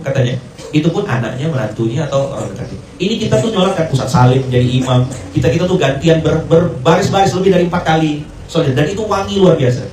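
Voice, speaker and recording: Fast-talking man preaching in a roomy space. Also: mid-range voice, darkish tone, a little hiss or hum. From Indonesia. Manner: conversational, mixes Arabic and English phrases, acts out quoted dialogue. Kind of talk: morning sermon with storytelling. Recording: roomy, distant mic with faint ambience.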